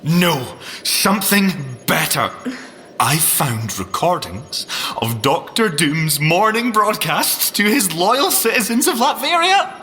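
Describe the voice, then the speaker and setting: An actor with a Scottish accent playing an excitable, jokey young secret agent and tech geek in an audio drama. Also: male voice, high voice, slow pace, long reverb tail, heavily acted. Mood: excited. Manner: playful, jokey, enthusiastic. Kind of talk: audio drama field banter.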